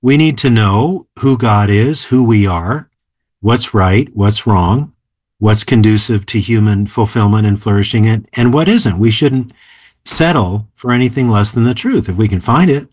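A man in his seventies, an author and philosopher, explaining ideas in a measured, emphatic way during an interview. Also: on the low side, darkish tone, no echo. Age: 70s. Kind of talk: interview conversation.

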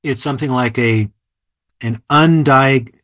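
A man in his seventies, an author and philosopher, explaining ideas in a measured, emphatic way during an interview. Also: medium pitch, fairly bright tone, no echo. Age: 70s. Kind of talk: interview conversation.

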